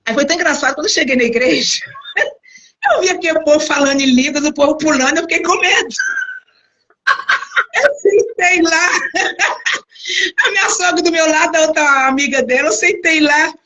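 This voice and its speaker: Brazilian pastor lady, middle-aged, high voice, acts out everybody in her testimony. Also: normal speed, pauses often. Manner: animated storytelling, acts out quoted people. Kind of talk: personal testimony.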